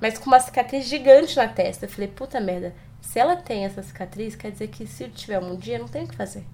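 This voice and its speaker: With a dark, mellow tone and vocal fry, a woman at medium pitch talks at a very fast pace with hardly any pauses, very wide pitch swings, and big swings in loudness. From Brazil, interior. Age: 20s. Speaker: podcast host. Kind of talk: casual chat.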